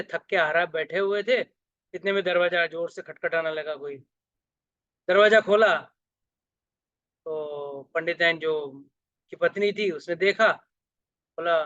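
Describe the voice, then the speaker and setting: A man giving a storytelling sermon, acting out the characters' lines with lively shifts in tone. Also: high-pitched, unhurried, dry recording, dull audio. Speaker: spiritual speaker.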